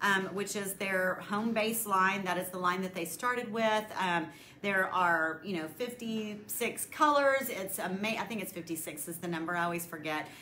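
With a Southern US accent, a woman speaks at a moderate pace and medium pitch, with ordinary pitch variation and hardly any pauses. Light background noise sits behind her. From US South. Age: 50s. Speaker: furniture painting artist. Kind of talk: live painting tutorial. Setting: live stream from her shop. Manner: casual, chatty.

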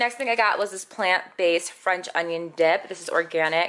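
Amid light background noise, a woman speaks with ordinary pitch variation. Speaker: lifestyle vlogger, mother of two; vlogger. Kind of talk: casual vlog, product haul. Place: kitchen. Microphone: phone near.

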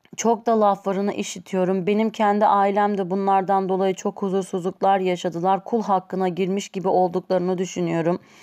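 The woman has a dark, mellow tone and a medium pitch. She speaks at a moderate pace in a monotone, flat way with very even loudness. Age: 40s. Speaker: viewer asking a question. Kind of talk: question to a religious scholar.

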